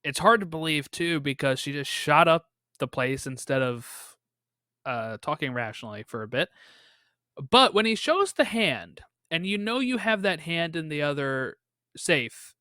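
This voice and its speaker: Bright-voiced man musing on film. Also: a little high, lively intonation, a little slow, no room sound, studio quality. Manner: thoughtful, musing, with rhetorical questions. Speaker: podcast co-host. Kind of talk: casual film discussion.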